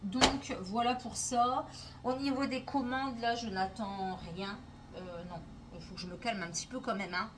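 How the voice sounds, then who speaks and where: A woman's voice: a little high, steady tone, normal speed, very noisy. Chatty French woman vlogging at home. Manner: chatty, rambling, many hesitations. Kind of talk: casual daily vlog chat. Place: at home indoors.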